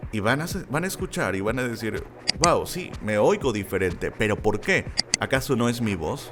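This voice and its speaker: A man's voice makes very wide pitch swings amid noticeable background noise and audible room echo. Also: medium pitch for a man, moderate pace. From Peru. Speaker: public speaking coach and announcer. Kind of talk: conference talk.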